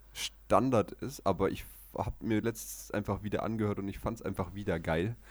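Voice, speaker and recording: In a very clean recording with a silent background, a man with vocal fry speaks at a moderate pace and a fairly low pitch. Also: fairly even intonation. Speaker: podcast co-host and amateur rapper. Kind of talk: casual chat.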